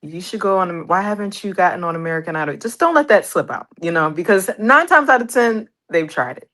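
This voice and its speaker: A woman's voice: on the low side, expressive, brisk, a bit bright. A woman singer and pianist, a guest in an interview, talking candidly and telling stories with light laughter. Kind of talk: casual interview chat.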